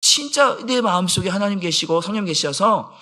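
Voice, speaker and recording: A man preaching a sermon as senior pastor, pressing the congregation with rhetorical questions and swinging between loud emphatic bursts and low quiet asides. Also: lively intonation, a little fast.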